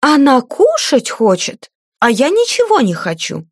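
A woman reading an audiobook, voicing a frail, timid teenage page boy with a thin, squeaky voice. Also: moderate pace, mellow, dry recording, clean studio sound, close to an everyday voice. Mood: tearful.

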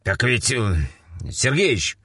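A man voicing a fat, sleepy police sergeant who talks rough and grumbles. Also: mid-range voice, sing-song, slow pace, fairly bright tone, no echo, clean studio sound, voice pushed up, full character voice. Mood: grumbling, rough.

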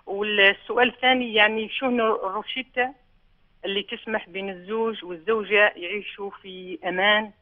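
A woman's voice: mid-range voice, steady tone, fairly quick. A woman calling in, effusive and hesitant, full of fillers. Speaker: caller. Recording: narrow phone line with dropouts.

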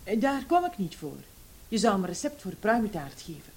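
A woman's voice: mid-range voice, big pitch swings, a little fast, darkish tone. An actress playing a woman visitor intent on her errand in a comic radio play. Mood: intent, curious.

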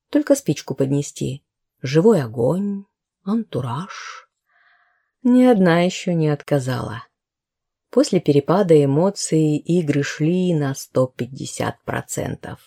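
A woman's voice: fairly low pitch, mellow, husky. Woman reading a wry story. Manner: wry, conversational storytelling with colloquial turns. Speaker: narrator.

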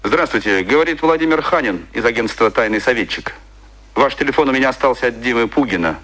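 An actor playing a brisk, formal agency boss on the telephone in an audio drama, clipped and matter-of-fact. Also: male voice, medium pitch, animated, a bit bright, low-quality recording. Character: brisk, businesslike male agency boss phoning. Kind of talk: audio drama phone dialogue.

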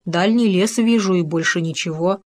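A woman's voice: on the low side, moderate pace, close to an everyday voice. Small bold hamster, eager questions, storybook reading, voiced by a woman. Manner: lively and eager.

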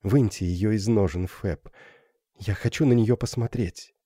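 A man voicing a shy, tender young Gypsy girl in love, speaking softly and pleadingly in a raised voice. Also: lowish voice, a little slow, breathy edge, no echo, clean studio sound. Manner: soft, pleading, lightly raised voice.

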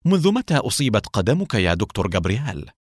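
A man voicing a young male police captain who asks calm, direct questions. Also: on the low side, fast talker, no echo, studio quality.

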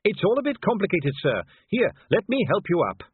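A man's voice: sits high, big pitch swings, fairly quick, breathy edge, dry recording, voice pushed up, exaggerated voice. A man voicing an earnest, cheerful young male watch captain in an audiobook, polite and eager. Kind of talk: audiobook character voice. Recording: dry, narrow phone-like sound.

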